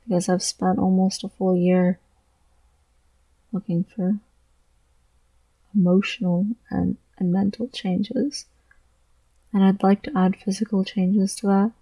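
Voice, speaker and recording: Gravelly low-voiced trans man, reflective. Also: little pitch movement, warm tone, no echo, rough recording. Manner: halting, reflective, earnest. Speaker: vlogger. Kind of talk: personal confessional vlog.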